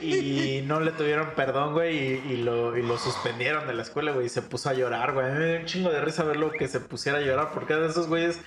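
A man's voice: medium pitch, steady tone, quick pace, few pauses, a crowd in the background. A young man with a Mexican accent telling a crude school story in laid-back casual chat. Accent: Mexican Spanish. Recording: echoey room, faint music.

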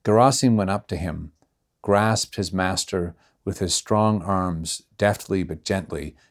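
Man, audiobook narrator, very low pitch, measured pace, classic literature. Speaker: reader.

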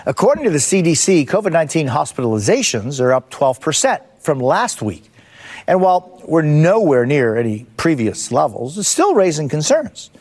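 A man's voice: fairly high pitch, very animated, normal speed, a little mellow. A man anchoring a TV news segment, reading in an upbeat scripted way. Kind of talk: TV news read.

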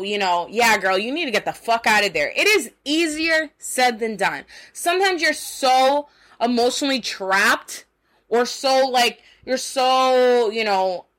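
Podcast host, woman; bright, fairly high voice; blunt, profane, chatty monologue. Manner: frank, heavy swearing, many fillers; rhetorical questions to listener. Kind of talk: casual monologue.

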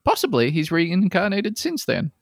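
Male podcast co-host, deadpan jokes, gravelly edge, dry close mic. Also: high-pitched, normal speed, no room sound. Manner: jokey, deadpan asides, frequent laughs. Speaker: podcast co-host reading listener posts. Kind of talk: casual comedic podcast chat.

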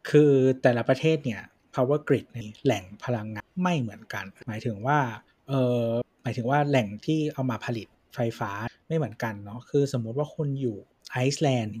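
A man's voice: medium pitch, moderate pace, few pauses, darkish tone, husky, no room sound. A man co-hosting a tech podcast, explaining things politely with some hesitations. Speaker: podcast co-host. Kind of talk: casual tech podcast chat.

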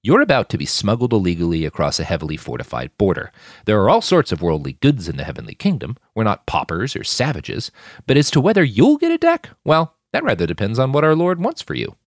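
A man's voice: lowish voice, wildly swooping pitch, quick pace, no echo, clean studio sound. A man voicing a stern, zealous middle-aged preacher who leads a smuggling ring, speaking in a grandiose sermonizing way. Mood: cold.

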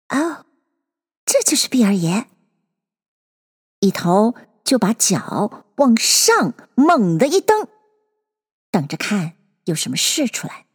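A woman reading a translated children's classic aloud in a measured storytelling manner. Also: on the high side. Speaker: reader. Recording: long hall reverb.

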